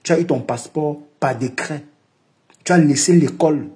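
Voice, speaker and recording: A man's voice: a little high, moderate pace, dark tone. A man, scolding and mocking someone at length in a heated live commentary. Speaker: social media commentator.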